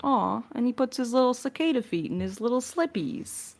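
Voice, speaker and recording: A woman's voice: a little high, lively intonation, moderate pace, vocal fry, a little mellow. A woman in a casual podcast Q&A, talking playfully as one of the crew fielding questions.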